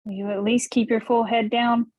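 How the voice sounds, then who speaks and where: A woman acts out a worried, loving wife and mother in a drama script. The voice is husky and fairly high. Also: flat delivery, moderate pace, a little mellow, dull audio, close to an everyday voice. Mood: tender. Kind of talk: screenplay table read.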